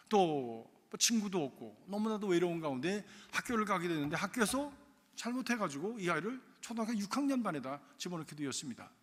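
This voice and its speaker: A male pastor tells a story in a sermon, with a high voice and bright, forceful delivery. His loudness swings as the story moves, and his words echo with a long reverb in the church sanctuary. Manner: emotive storytelling, shifting loudness.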